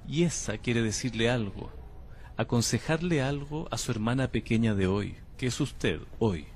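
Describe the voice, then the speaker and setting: An actor playing a calm, cryptic male patient who claims to come from the future, speaking in a slow, measured, unsettling way. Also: mid-range voice, a little hiss or hum, natural voice. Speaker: patient under interview. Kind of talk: audio drama acting.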